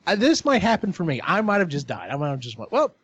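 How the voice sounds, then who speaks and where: Animated man retelling a story. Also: fairly high pitch, fast talker, husky. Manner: animated, swears freely. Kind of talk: casual chat, retelling a story. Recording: dull lo-fi recording.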